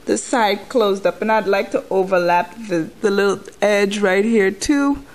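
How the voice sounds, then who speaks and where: A woman's voice: mid-range voice, measured pace. A woman chewing gum while she talks, giving an informal, step-by-step nail tutorial in a conversational way. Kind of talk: casual hands-on tutorial talk.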